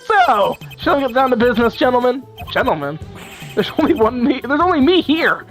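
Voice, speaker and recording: A man's voice: extremely high pitch, sing-song, a little fast, fairly bright tone, soft background music, voice pushed up, heavily acted, rough recording. A man voicing a creepy, gleefully unhinged male villain in prison, reading game dialogue aloud in a theatrical, taunting way.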